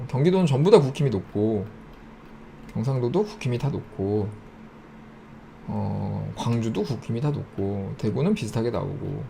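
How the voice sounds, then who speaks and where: A man talks his viewers through a chart on his own channel and thinks aloud as he scrolls. His voice is gravelly and his pitch rises and falls a lot. He reels off items in quick, clipped phrases. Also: mellow, slight background noise. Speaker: YouTube host. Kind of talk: casual screen-share data walkthrough.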